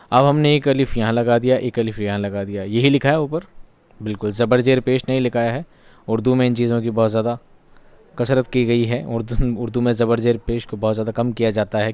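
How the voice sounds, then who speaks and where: A man leads an exam-prep lesson. He asks a question, answers it himself, and repeats each key word so it sticks. His voice is smooth and resonant, recorded close and dry. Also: mid-range voice, darkish tone, no echo. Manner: repeats key words for drilling. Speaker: online teacher.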